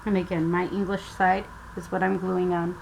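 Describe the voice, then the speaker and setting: Working at a table at home, a woman talks through a craft tutorial slowly, thinking out loud, her voice sometimes drifting off-mic. She speaks in a lowish, level tone with vocal fry, over a low-quality recording with background noise.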